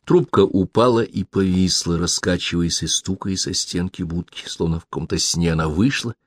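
A man narrating an audiobook in a measured, even reading voice. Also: deep voice, no echo, clean studio sound. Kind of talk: scripted narration.

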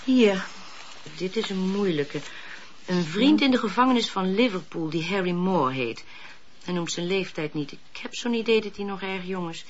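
An actress playing a brisk, opinionated woman in a Dutch radio drama. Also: medium pitch, animated, close to an everyday voice. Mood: reading aloud. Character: brisk, opinionated woman helper, pious letter-answerer. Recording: dull lo-fi radio play recording.

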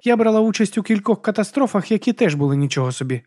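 A man's voice: high voice, animated, quick pace, darkish tone, no echo, studio quality, voice pushed up. A man voicing a wry, tough woman who mutters her remarks.

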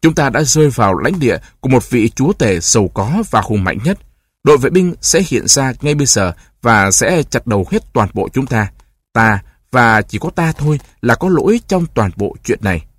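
A man voicing an anxious, pompous old male genie who laments in flowery speech, with a husky voice. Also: medium pitch, big pitch swings, moderate pace. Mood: alarmed.

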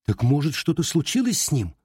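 A blunt, no-nonsense young woman snaps orders and fires off questions in a lively, raised voice, as a male narrator plays her. She is tough and practical, never soft. The reading is close and dry, with a husky edge. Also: fairly high pitch, brisk, no room sound, voice pushed up, heavily acted. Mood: questioning. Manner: brusque, commanding.

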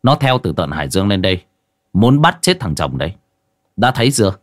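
A man's voice: deep voice, sing-song, a little fast. A man playing a brash, foul-mouthed young exorcist who scolds and interrogates. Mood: scolding.

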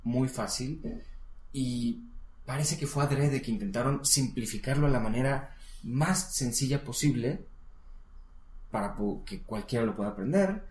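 A man's voice: medium pitch, a little mellow. A man with a Mexican Spanish accent teaching English one-on-one, patient and encouraging, often checking in with the learner. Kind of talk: casual one-on-one lesson. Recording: roomy echo.

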